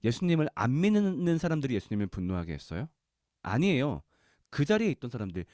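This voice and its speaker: A male Bible study lecturer teaches a lesson conversationally, asking his listeners questions and acting out quotes. His voice is medium-pitched with a darkish tone, recorded in clean studio sound with no echo.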